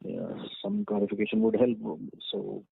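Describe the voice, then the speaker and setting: A man's voice: fairly low pitch, big pitch swings, moderate pace, vocal fry, slightly rough. A man with an Indian accent putting questions as an investment analyst on an earnings call over a phone line. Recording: tinny narrowband phone line.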